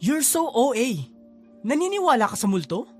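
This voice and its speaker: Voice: high voice, very animated, normal speed, music in the background. A performer voicing a level-headed, sceptical teenage student in a spoken horror story. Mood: urgent.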